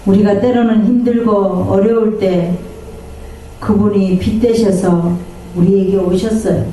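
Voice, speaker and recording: A woman's voice: medium pitch, steady tone, unhurried, mellow, a little hiss or hum. Woman pastor preaching in an echoey hall. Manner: preaching with call-and-response amens, acting out quoted voices. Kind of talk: sermon. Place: church sanctuary. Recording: echoey church hall from far off.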